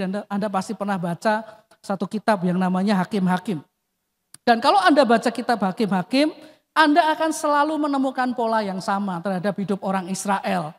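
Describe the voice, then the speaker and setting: A male pastor preaching a sermon, emphatic, often addressing the congregation and dropping his voice at the end of phrases. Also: sits high. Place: church hall. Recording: long reverb of a church hall.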